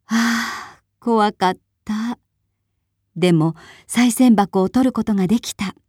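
A woman's voice: mid-range voice, moderate pace, warm tone, no room sound, clean studio sound, natural voice. A woman voicing a strong-willed young village mother in a storybook, speaking plainly and with determination. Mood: relieved.

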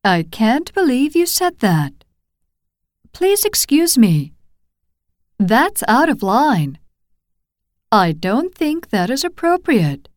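A woman reading example phrases for English learners, slow and clearly enunciated. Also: fairly high pitch, big pitch swings, dry recording, studio quality. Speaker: phrase reader.

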